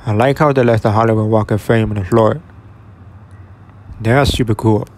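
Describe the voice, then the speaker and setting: A man's voice: fairly low pitch, steady tone, moderate pace, darkish tone, a little hiss or hum. A young man from Oregon giving casual, matter-of-fact narration while touring an empty store. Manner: plain, matter-of-fact commentary. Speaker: retail explorer vlogger.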